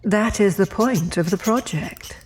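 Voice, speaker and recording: An actress playing a serene otherworldly architect in an audio drama, politely cold, formal and measured. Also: female voice, medium pitch, slight background noise, lightly acted. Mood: cool, composed.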